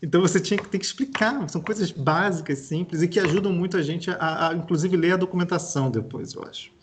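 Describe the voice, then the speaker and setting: A man's voice: sits high, quick pace, a little hiss or hum. A young man from Brazil with a Rio de Janeiro accent, a guest historian in a casual podcast interview, thinking aloud and restarting his sentences. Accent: Brazilian Portuguese, Rio de Janeiro.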